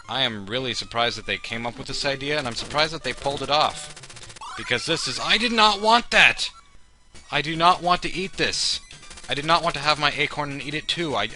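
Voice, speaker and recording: A man's voice: medium pitch, sharp tone, poor audio. A man giving humorous commentary on a video game in a wry, sarcastic manner with exaggerated reactions. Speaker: let's play host.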